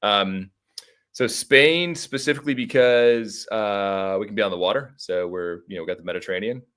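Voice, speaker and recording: Low-voiced middle-aged American man. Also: moderate pace, fairly bright tone, clear, resonant tone. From United States (Arizona). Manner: informal, talkative, rambling. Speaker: podcast guest. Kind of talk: casual conversational storytelling.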